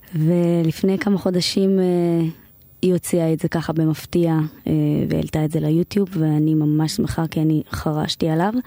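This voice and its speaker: Speaking at a moderate pace with long, frequent pauses, a woman has a fairly low, dark, mellow voice, very even loudness and fairly even intonation. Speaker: singer. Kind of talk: radio presenting.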